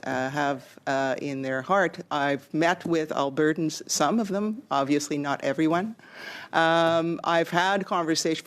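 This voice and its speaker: A woman giving formal, diplomatic and somewhat hesitant answers as an executive witness at a hearing. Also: sits low.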